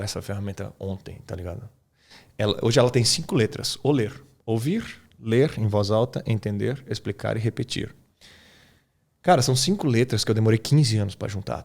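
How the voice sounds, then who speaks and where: A man from Brazil, speaking as an English teacher on a podcast, explains his method in a fairly low, creaky, slightly mellow voice. It's casual explanatory talk, and he frequently checks that the listener follows with "tá?" and "cara."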